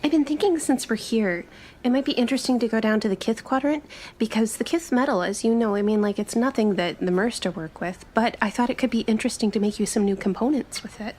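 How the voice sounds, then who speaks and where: A woman's voice: on the high side, fast, darkish tone, close to an everyday voice. A woman playing an eager, chatty young traveler in a tabletop roleplay, with gushing, informal, stop-start chatter. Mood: friendly, bubbly.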